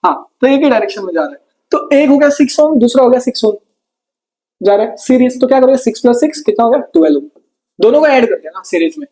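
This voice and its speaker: Man doing a quick-fire revision lesson. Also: very high-pitched, lively intonation, warm tone. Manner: asks students questions and answers them himself; casual, brotherly tone with memory tricks and jokes. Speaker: teacher. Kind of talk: rapid exam revision lesson.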